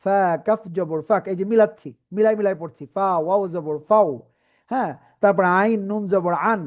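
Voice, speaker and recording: A woman teaching a Quran reading class, spelling out letter combinations slowly and often checking in with her students. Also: medium pitch, darkish tone, highs cut off. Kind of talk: online class lesson.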